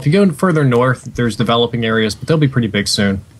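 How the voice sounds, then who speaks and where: A man's voice over noticeable background noise. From Texas. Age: 20s. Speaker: YouTube gamer. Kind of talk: casual chat.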